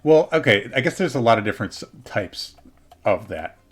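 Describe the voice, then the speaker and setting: Casting: male game-stream host, lowish voice, playful and easily sidetracked, interviewing a guest in loose stop-start phrasing. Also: very animated, a little fast. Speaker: livestream host. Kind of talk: casual interview while gaming.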